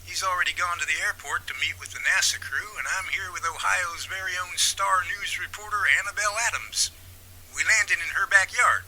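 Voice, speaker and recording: A man's voice: high voice, a little fast, sharp tone, a little hiss or hum, heavily acted, rough recording. A man playing an easygoing young Bigfoot researcher from California in an amateur radio drama, with a folksy, wry manner. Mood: wry, weary.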